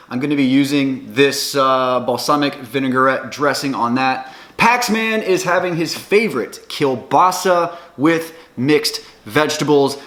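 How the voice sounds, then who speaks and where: A man's voice: fairly high pitch, a bit bright. Earnest young man vlogging. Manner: earnest, motivational. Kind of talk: casual vlog talk to camera.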